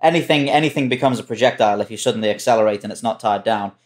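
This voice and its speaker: A man's voice: lowish voice, very fast. A man chatting casually as a panelist, with a wry, understated way of talking. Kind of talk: casual chat.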